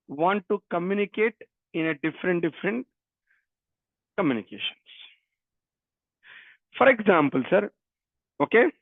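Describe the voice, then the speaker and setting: Over a thin, phone-like line with no echo, a man with a high voice teaches programming in an interactive online technical session. He is from Telangana, speaks Telugu natively, and has a Telugu Indian English accent. He tends to repeat phrases and questions and often turns to address students.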